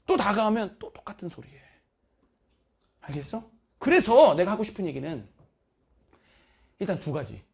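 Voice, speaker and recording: A woman's voice: medium pitch, sing-song, normal speed, vocal fry, long pauses, darkish tone, slightly rough. A woman math teacher giving a casual, blunt motivational talk to her students in an emphatic, chatty, scolding way.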